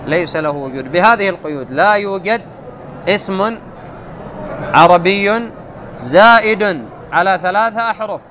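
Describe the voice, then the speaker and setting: High-voiced male teacher quizzing students. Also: lively intonation, fairly bright tone. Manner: reads text slowly, quizzes students. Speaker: grammar teacher. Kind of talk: classical text lesson. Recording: muffled, noisy with outdoor traffic.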